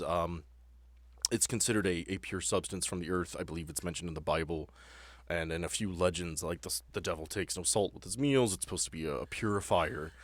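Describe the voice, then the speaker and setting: A man's voice: low voice, dry recording. A man working as game master, narrating a tabletop game in a conversational, descriptive way with plenty of explanation.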